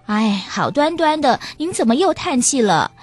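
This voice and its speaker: A caring granddaughter, as a woman puts her on, coaxes in a high, bouncy voice with a lilt. The tone rises and falls eagerly, a little breathy, like a radio storybook read aloud. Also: sing-song, normal speed, faint music behind. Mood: eager, coaxing. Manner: bright, eager, coaxing. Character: cheerful caring young granddaughter.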